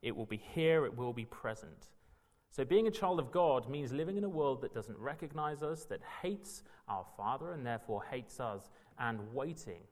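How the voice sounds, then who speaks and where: A man's voice: mid-range voice, lively intonation, normal speed, a little mellow. A man from Wales, teaching a Bible session in an earnest, emphatic way that builds in bursts. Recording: reverberant hall.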